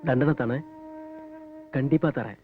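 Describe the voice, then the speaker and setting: A man's voice: medium pitch, unhurried, natural voice. An actor playing a playful young man who soothes and reassures his beloved in an old film drama. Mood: tender. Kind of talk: 1990s film drama dialogue. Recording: tinny old film soundtrack with music.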